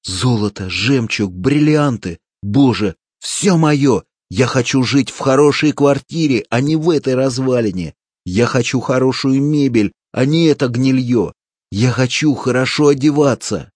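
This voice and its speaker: A man voicing a greedy, fat male street photographer who screams in a shrill, frantic way in an audiobook. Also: a little slow, hardly any pauses, a little mellow, slightly rough, no echo. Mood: furious.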